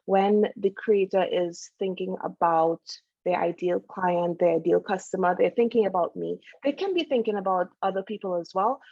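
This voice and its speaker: A woman's voice: mid-range voice, moderate pace, vocal fry, a little mellow, husky, no room sound, muffled recording. A middle-aged woman from Trinidad and Tobago, a doctor and founder, talking casually as a podcast guest with many "you know" fillers. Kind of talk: casual interview conversation.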